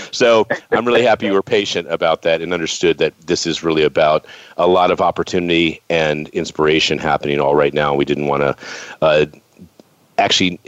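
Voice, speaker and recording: Very deep-voiced chatty male host. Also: dry recording. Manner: chatty, rambling with restarts. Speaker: show host. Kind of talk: casual interview chat. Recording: dull lo-fi sound.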